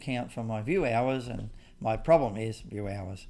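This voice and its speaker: A man with an Australian accent at a moderate pace, with ordinary pitch variation and audible room echo. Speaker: maths video creator. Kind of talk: tutorial.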